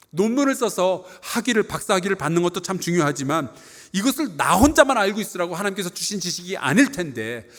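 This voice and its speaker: A middle-aged pastor delivers a sermon from the pulpit in a fairly high, very lively voice that rises and falls with emphasis. He preaches earnestly, asking rhetorical questions and repeating key phrases. The sound carries a long church reverb. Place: church sanctuary.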